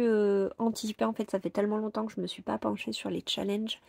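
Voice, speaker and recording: A woman's voice: mid-range voice, creaky, a little mellow, no room sound. A woman chatting casually about her coloring plans, hesitant, with many fillers and repeated words. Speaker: coloring vlogger.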